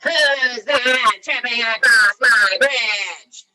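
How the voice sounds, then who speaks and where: Storybook troll, acted by a woman: huge, ugly, menacing male, loud drawn-out roar, forceful and growling, pushed up in pitch. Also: exaggerated voice. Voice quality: roaring, growling. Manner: drawn-out, booming threats.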